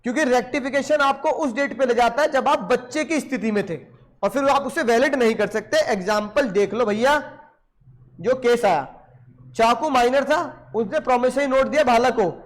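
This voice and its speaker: A high-voiced male law teacher gives an animated lecture. He keeps firing questions at his class and answering them himself. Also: normal speed. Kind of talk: lively Hindi lecture.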